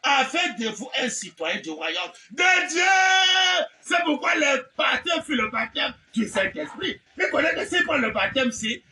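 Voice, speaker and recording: A man's voice: extremely high pitch, very animated, a little slow, hardly any pauses. Man preacher, fiery sermon with constant amens; mic set far off, light hiss behind. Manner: fervent, shouting, punctuates with repeated amens. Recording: distant mic with faint background noise.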